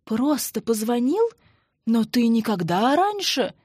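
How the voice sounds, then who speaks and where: A woman's voice: a little high, very animated, takes it slowly, darkish tone, slightly rough, no echo, full character voice. A woman voicing an elderly mother who is anxious, plaintive and close to tears. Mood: bewildered. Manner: plaintive, pleading.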